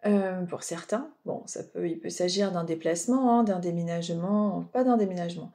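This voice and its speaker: French woman medium, warm low timbre, loose rambling guidance chat. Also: normal speed. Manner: chatty, rambling, digressive with many fillers. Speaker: medium giving oracle card readings. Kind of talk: casual spiritual guidance talk.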